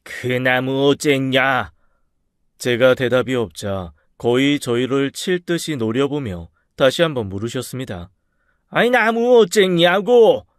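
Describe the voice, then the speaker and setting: A man's voice: medium pitch, expressive, normal speed, hardly any pauses, dry recording, studio quality, lightly acted. A man voicing a boisterous older male farm boss who drawls in a countrified way, in a storybook reading. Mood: angry.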